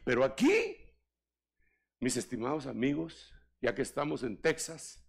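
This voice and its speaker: An older man preaching a sermon in an animated style, with joking asides to the congregation. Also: medium pitch, moderate pace, gravelly, husky. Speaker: apostle preaching.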